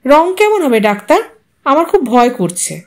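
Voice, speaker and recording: A woman's voice: high-pitched, sing-song. A woman reading the part of an anxious, fussy young wife who mixes English words into her worried speech. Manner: fretful, speaks quickly and drops English words into her speech.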